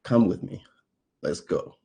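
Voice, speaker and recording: A man's voice: slow, dark tone. A young man from South Africa giving a casual, playful conference talk, joking at his own expense with lots of fillers. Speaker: conference speaker.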